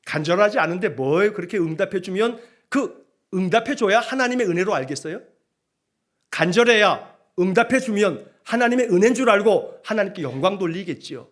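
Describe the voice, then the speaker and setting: Male pastor giving a sermon, high voice that jumps all over, gets the church to say lines back. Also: brisk. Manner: animated, coaxing the congregation to repeat aloud. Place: church sanctuary.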